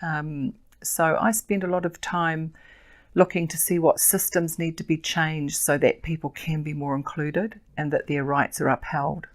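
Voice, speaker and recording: An older woman with a New Zealand accent, answering interview questions as a disability sector advocate in an earnest, measured way with frequent fillers. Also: sits low, steady tone.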